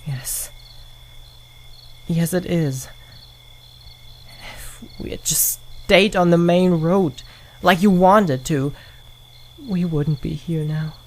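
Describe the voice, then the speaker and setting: A man voicing a timid young man who stammers and blames himself, then slowly tells a ghost story in an amateur audio drama. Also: on the high side, slight background noise. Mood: guilty. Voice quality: hesitant, stammering.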